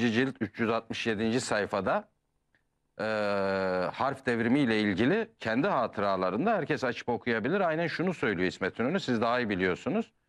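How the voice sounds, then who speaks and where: This man talks at a medium pitch against a quiet background. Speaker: TV host. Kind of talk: TV interview. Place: studio. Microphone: lapel.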